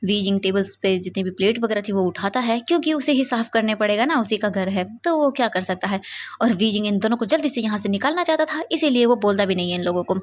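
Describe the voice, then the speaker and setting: A woman's voice: mid-range voice, expressive, quick pace. A woman casually narrating a fan-fiction love story, mixing English words into her telling.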